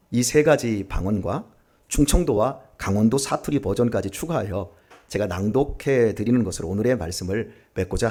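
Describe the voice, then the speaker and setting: A male pastor delivers a Sunday sermon in a church sanctuary. His voice is a little husky and breathy, and it grows louder and more animated as he reads scripture in regional dialects. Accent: Gyeongsang Korean, put on for a reading. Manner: lively, raises pitch and volume when reading dialect.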